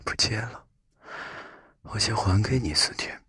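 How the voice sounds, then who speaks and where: A man voicing a sweet, teasing white bunny in a breathy half-whisper. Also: on the low side, measured pace, dry recording, studio quality, voice pushed up, exaggerated voice. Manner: gentle, teasing.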